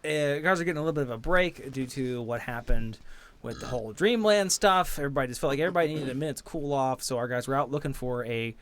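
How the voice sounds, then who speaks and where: A man acting as game master, casually recapping a tabletop story in a halting, hesitant way. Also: medium pitch, a bit bright.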